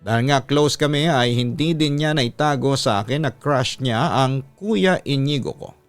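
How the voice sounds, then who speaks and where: A man's voice: medium pitch, moderate pace, soft background music. A man reading a listener's personal letter aloud as a scripted, storytelling radio-style narration.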